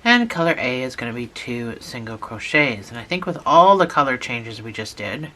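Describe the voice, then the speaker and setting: A man's voice: mid-range voice, moderate pace. Man with a cold teaching crochet. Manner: calm, repetitive stitch-by-stitch instructions. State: has a cold, losing his voice. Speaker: crochet instructor. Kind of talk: step-by-step crochet tutorial.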